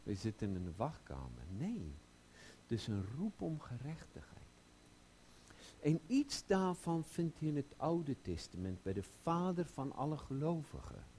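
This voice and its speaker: A man preaching a sermon, slow and emphatic, rising loud and high when he quotes scripture. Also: big pitch swings, slight background noise.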